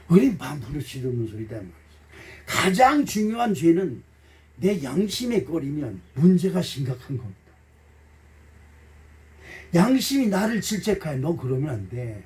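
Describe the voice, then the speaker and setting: Far from the mic in a church sanctuary, a middle-aged pastor delivers a sermon with folksy feeling, playing out small conversations and making blunt, joking asides to his flock. His voice sits high but carries a darkish tone.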